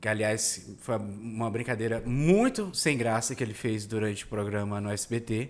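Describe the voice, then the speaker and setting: At a moderate pace, a man with a medium-pitched voice talks with fairly even intonation and hardly any pauses. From Bahia, Brazil (Vitória da Conquista, near Minas Gerais border). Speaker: TV celebrity columnist. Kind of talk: casual chat.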